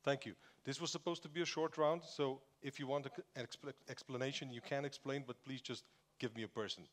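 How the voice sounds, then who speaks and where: A man moderating a business panel on a conference stage, briskly prompting speakers by name. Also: mid-range voice, steady tone.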